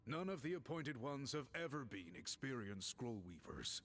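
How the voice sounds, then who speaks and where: An actor playing a tall, courteous tribal chief in a video game, formal and measured with slight hesitations. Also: male voice, mid-range voice, very animated, fairly bright tone. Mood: explaining solemnly. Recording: faint music behind.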